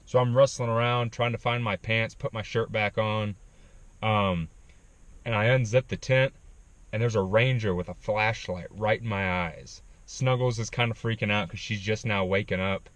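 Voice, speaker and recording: A man casually telling a backpacking story, animated, with frequent ums. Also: on the low side, moderate pace, dry recording. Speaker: backpacking vlogger.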